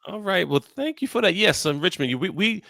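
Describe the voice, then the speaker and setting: A man's voice: sits high, big pitch swings, fairly quick, vocal fry, bright, forceful tone, no room sound. A man hosting a radio interview, asking questions in a friendly, easygoing way.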